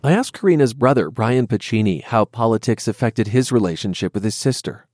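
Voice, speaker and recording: A man reporting and narrating a radio news feature in a measured, scripted delivery. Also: medium pitch, dry recording. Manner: measured, lively intonation. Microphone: studio microphone.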